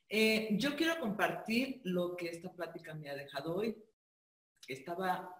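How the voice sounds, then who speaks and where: A woman's voice: fairly low pitch, recorded from a distance. A woman sharing her reflections in a casual, hesitant way. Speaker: participant sharing testimony. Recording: roomy, from off the mic.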